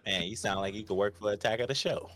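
A man's voice: lowish voice, fast talker, fairly bright tone. A man with an African American English accent, bantering casually as a guest on a podcast.

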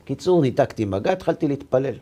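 A man, a rabbi and lecturer, telling stories in a conversation and acting out the dialogue with lively voices. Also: mid-range voice. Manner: animated, acts out dialogue. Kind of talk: storytelling in a conversation.

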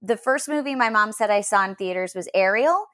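A woman's voice: medium pitch, animated, a little fast, a bit bright. A woman in casual conversation, talking reflectively and thoughtfully with many fillers and restarts. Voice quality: voice that gets lost. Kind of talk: casual chat.

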